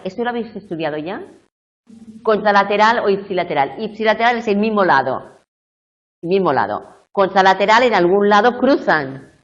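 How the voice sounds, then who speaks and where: A middle-aged woman giving a university tutorial lecture, explaining step by step and often checking in with her students. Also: on the low side. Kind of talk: live video tutorial lecture. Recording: muffled lo-fi classroom recording.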